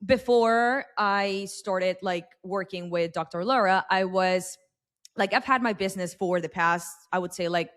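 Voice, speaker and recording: A woman's voice: mid-range voice, measured pace, a bit bright. A young adult woman hosting a podcast interview, chatting casually with plenty of fillers as she rambles toward her question. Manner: rambling, heavy use of fillers. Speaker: podcast host.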